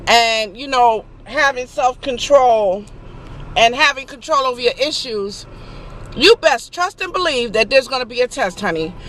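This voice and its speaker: A woman's voice: high voice, a bit bright, a little hiss or hum, poor audio. A woman giving an emphatic, preachy motivational vlog talk, calling her viewers honey. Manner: laughs and gets emotional. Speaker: vlogger.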